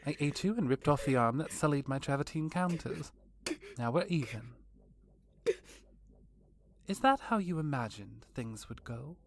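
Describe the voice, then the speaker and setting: A woman's voice: low voice, lively intonation, normal speed, pauses often, slight background noise. A woman playing a cold, vengeful vampire villainess in an audio drama, taunting with genteel menace. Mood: gloating menace.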